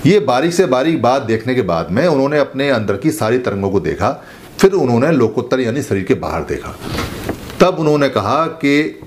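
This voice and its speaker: A man giving a spoken Buddhist teaching, explaining slowly and repeating phrases for emphasis. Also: medium pitch, a little hiss or hum. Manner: slow, repetitive, explanatory preaching. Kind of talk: spoken dharma talk.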